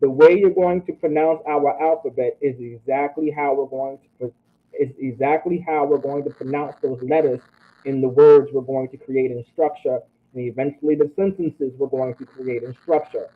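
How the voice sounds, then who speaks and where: A man's voice: medium pitch, steady tone, moderate pace. A man teaching an online language class, repeating phrases and checking in with "all right?". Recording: tinny phone-like audio.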